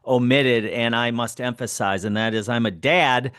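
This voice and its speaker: A man's voice: medium pitch, moderate pace, a bit bright, smooth, dry recording, clean studio sound. A man from Wisconsin, a professor, speaking as an interview guest in an earnest, reflective way. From Wisconsin, United States.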